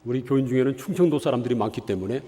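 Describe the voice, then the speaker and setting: A man's voice: mid-range voice, very fast, warm tone. A man from the Chungcheong region preaching a sermon as pastor, earnest, with rhetorical questions to the congregation. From Chungcheong, South Korea. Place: church sanctuary. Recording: long reverb of a church hall.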